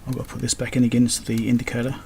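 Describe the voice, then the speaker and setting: Rattling along in a rapid-fire monotone, a man with a dark, mid-range voice talks under his breath while repairing electronics at his workbench. It's casual commentary for his repair video, and the indoor recording has obvious noise.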